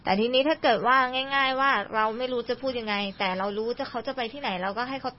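A woman's voice: sits high, fast, slight background noise. Chatty young woman host, lo-fi sound. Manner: chatty, asks many prompting questions. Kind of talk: radio-style lesson chat. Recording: dull lo-fi recording.

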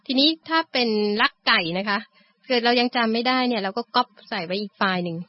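A woman's voice: on the high side, fast talker. A Thai-accented woman on a radio lesson show, politely explaining English phrases step by step. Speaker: radio co-host teaching English. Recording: dull lo-fi radio sound.

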